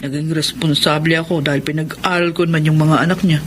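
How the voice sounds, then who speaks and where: A woman's voice: low-pitched, steady tone, fast, lightly acted. A Filipino woman acting a middle-aged, heartbroken and regretful lesbian mother in a radio drama, speaking plaintively and earnestly. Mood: hurt. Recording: noisy radio drama recording.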